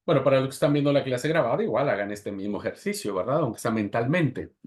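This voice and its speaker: A man teaching a class on expository preaching, telling a story dramatically with pauses and swings in loudness, then putting questions to the class. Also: mid-range voice, animated. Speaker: preaching instructor.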